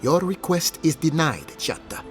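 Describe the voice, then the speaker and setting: A man's voice: a little high, sing-song, unhurried, faint music behind. An actor playing a haughty, unyielding town governor, a man speaking formally and curtly in video game dialogue. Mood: stern, cold. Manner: formal, authoritative, curt.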